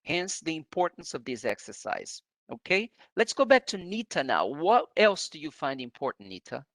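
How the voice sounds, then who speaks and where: A man moderating a webinar over a video call, briskly handing over to the speakers. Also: a little high, sing-song, fairly bright tone, no echo.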